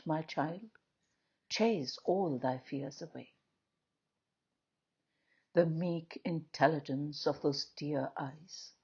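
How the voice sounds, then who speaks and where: A woman reciting poetry in a solemn, dramatic, measured style, pausing often between short phrases. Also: low-pitched, a little mellow, husky, muffled recording. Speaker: poetry reader.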